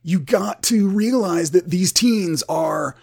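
A man playing an earnest, prudish Christian metal singer with a gravelly voice, rambling and oversharing in an improvised comedy interview. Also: high-pitched, expressive, slow pace, a little mellow, exaggerated voice. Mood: wounded, indignant. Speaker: comedy podcast guest in character.

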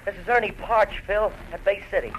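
Nervous, desperate ex-con, noisy recording. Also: male voice, sits high, fairly quick, a bit bright, dull audio. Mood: desperate, pleading. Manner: hesitant, stammering, urgent. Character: nervous, desperate male ex-convict pleading innocence. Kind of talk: 1940s radio drama acting. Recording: noisy old radio recording.

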